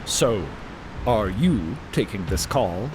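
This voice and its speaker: A man's voice: lowish voice, animated, takes it slowly, music in the background. A man with a dramatic audio fiction delivery, narrating and acting in a scripted story. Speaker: narrator and voice actor.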